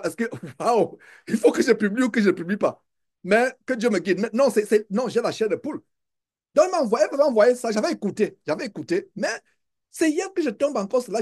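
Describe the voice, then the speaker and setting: A man's voice: high voice, darkish tone, husky. A man preaching to his listeners, exclamatory and addressing them directly. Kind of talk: sermon commentary.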